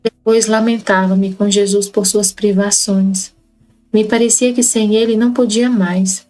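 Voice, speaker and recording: Brazilian woman, mid-pitched, leads a Catholic study group, reads and explains devotional text with earnest repetition, faint music behind. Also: fairly even intonation, a little slow, darkish tone, poor audio. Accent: Brazilian Portuguese. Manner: earnest, repeats phrases to stress them. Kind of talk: reading and explaining devotional texts.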